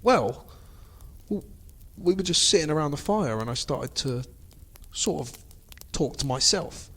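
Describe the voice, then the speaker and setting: A man's voice: fairly high pitch, animated, measured pace, fairly bright tone. Man acting earnest fugitive with a crackly voice. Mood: amazed, earnest. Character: bewildered fugitive man hiding among Sasquatches. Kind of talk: amateur audio drama acting.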